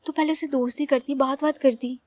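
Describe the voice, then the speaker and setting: A woman's voice: sits high, steady tone, a little fast, a little mellow, natural voice. A woman voicing an easygoing, teasing young woman who soothes her angry friend in a laid-back way. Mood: soothing.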